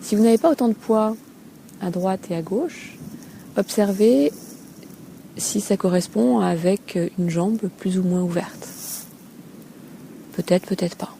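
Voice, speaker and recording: Une femme guide un body scan en improvisant, d'une manière douce et posée, avec des pauses hésitantes entre de courtes phrases. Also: female voice, mid-range voice, gravelly. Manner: gentle, unhurried, hesitant pauses between short phrases. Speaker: Feldenkrais teacher guiding a body scan. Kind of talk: guided relaxation lesson, spoken unscripted. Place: outdoors by a calm sea. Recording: steady seaside ambient noise. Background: sea ambience with some seagulls.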